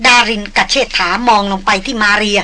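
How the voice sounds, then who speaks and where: A woman's voice: mid-range voice, steady tone, a little fast, pushed and bright, low-quality recording. A woman narrating a novel with dramatic, vivid delivery. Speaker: audiobook narrator. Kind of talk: novel reading.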